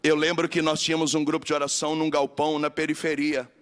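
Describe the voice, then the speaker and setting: A man with a Brazilian Portuguese accent preaching a sermon, emphatic and repetitive, building to shouted refrains. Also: on the high side, completely flat delivery, fast talker, smooth. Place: large church camp gathering.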